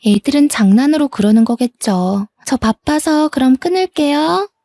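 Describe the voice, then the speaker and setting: Brief: sneering, high-pitched sister-in-law played by a woman, dismissive and scornful, told as a narrated story. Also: lively intonation, moderate pace, mellow, dry recording. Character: mocking, snobbish younger sister-in-law on the phone.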